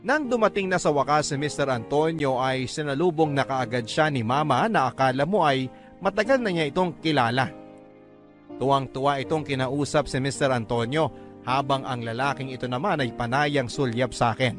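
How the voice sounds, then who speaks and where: A man reads a scripted radio story in the first person, like a letter from a listener. His voice sits at a medium pitch, with faint music underneath. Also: moderate pace. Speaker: narrator reading a listener's letter. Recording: background music under narration.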